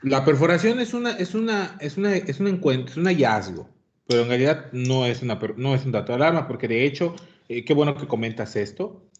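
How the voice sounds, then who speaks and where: A man's voice: medium pitch, animated, a little fast, highs cut off. A man giving an interactive medical lecture, quizzing his students and often calling them young people. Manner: questions students, addresses them as "jóvenes".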